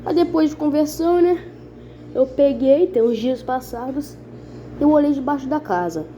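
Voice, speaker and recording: A Brazilian woman with a fairly high, mellow voice tells her conversion testimony to a congregation. She speaks in an earnest, dramatic way, repeats herself and keeps calling out to her brothers and sisters. A faint hiss sits under her voice. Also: moderate pace. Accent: Brazilian Portuguese. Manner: earnest, repetitive, dramatic storytelling that addresses listeners as brothers. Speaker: church member giving testimony.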